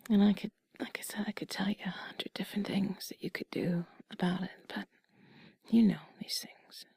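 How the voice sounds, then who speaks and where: A woman voicing a tender, affectionate partner in a whispered role-play, breathy, gentle, intimate and reassuring. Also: mid-range voice, fairly even intonation, moderate pace, no echo. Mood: soothing, tender. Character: tender affectionate female partner comforting a loved one.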